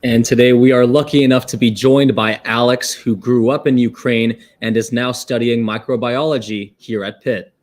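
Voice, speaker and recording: A young man anchors a student morning news program. He reads his script in a polished, even way at a middling pitch. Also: moderate pace, few pauses. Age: young adult.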